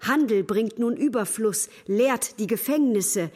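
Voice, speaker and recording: A woman reciting epic poetry in a radio play, with deliberate scripted delivery. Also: a little high, expressive, a little mellow. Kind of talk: slow poetic recitation. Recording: long reverberant hall sound.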